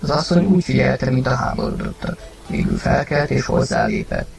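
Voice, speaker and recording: Male audiobook reader, very gravelly, lively pitch, music bed. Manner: acted, rising to shouts in heated lines. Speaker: narrator and reader of the husband's lines. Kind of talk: dramatized audiobook reading.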